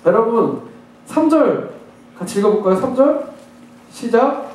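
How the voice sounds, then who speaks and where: A man preaching a sermon as pastor, animated and acting out prayers in an excited voice, recorded in a church. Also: very high voice, measured pace. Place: church sanctuary. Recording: echoey church hall, mic at distance.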